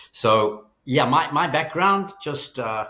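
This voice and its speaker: A man talks with a South African accent. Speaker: people leadership and change management expert. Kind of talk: podcast interview.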